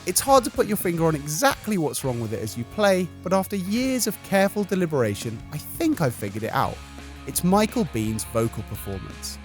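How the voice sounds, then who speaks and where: A man's voice: fairly high pitch, big pitch swings, fairly quick. A man reading comic scripted commentary in a wry, sarcastic manner. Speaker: video narrator. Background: light music.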